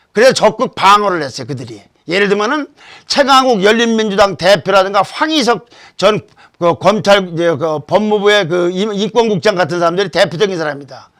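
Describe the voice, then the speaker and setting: High-voiced man giving emphatic commentary. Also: a bit bright. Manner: emphatic, rhetorical questions. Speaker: political commentary show host. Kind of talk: solo political commentary.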